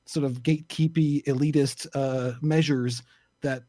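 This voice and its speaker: A man in a casual panel discussion, speaking in a halting, thoughtful and opinionated way. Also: mid-range voice, steady tone, mellow, no echo. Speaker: podcast panelist.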